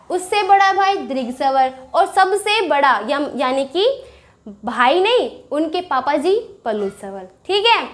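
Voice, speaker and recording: A woman with an Indian accent and a high voice gives a casual, chatty grammar lesson, posing questions and then answering them herself.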